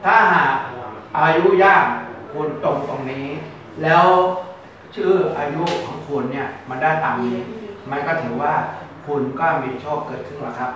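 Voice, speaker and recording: A man's voice: a little high, moderate pace, a crowd in the background. A man giving a casual fortune-telling talk. He explains at length, often repeats words, and reads out long lists of numbers. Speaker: fortune teller. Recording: very echoey room, mic far off.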